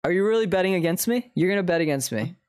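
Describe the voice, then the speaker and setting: A man's voice: high voice, lively intonation, rapid-fire, darkish tone, clean tone. A young man streaming a game, chatting casually with a friend in a loose, joking, profane way. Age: teens. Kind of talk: casual gaming chat.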